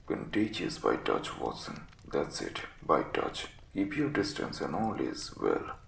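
A man voicing a gravely ill but masterful detective in a weak, breathy croak, giving clipped, imperious orders in a story reading. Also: extremely low pitch, huge pitch swings, a little slow, roomy sound, far from the mic, voice pushed down, heavily acted. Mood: feverish, rasping. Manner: imperious, clipped commands with coughing.

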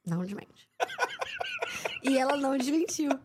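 Slow and high-pitched, a young female sports reporter tells stories as a podcast guest over some background noise. She's a lively narrator who acts out people's quotes.

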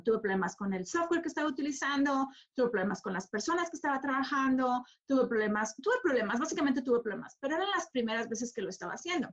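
A woman's voice: high voice, dull audio. A woman giving a motivational coaching talk, emphatic and repeating phrases for stress.

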